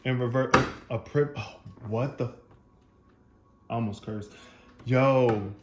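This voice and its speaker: A man giving an animated, spontaneous tarot reading, talking straight to his viewers and laughing often. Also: medium pitch, slow pace, over loud music. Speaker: tarot reader.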